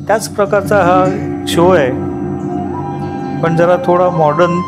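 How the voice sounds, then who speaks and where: High-voiced man over loud music. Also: fairly even intonation, a little slow. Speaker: travel vlogger. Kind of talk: unscripted vlog voice-over narration. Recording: loud instrumental music behind voice. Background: loud music with instruments.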